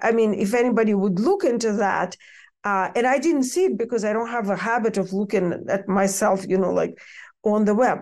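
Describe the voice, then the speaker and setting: A woman who works as a war correspondent speaks as a podcast guest. Her talk is animated and full of restarts. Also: medium pitch. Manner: animated, talkative, many restarts.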